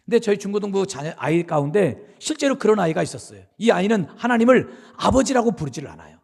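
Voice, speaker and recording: A man's voice: sits high, very animated, fast, gravelly, a little mellow. A middle-aged man, the senior pastor, preaching a sermon in a church sanctuary in a conversational way, asking his listeners questions.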